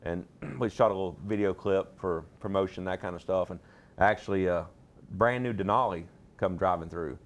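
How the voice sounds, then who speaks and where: A man's voice: low voice, normal speed. A middle-aged man, a pastor, talking in a plain-spoken, rambling, folksy way in a TV studio interview on a lapel mic. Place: TV studio set.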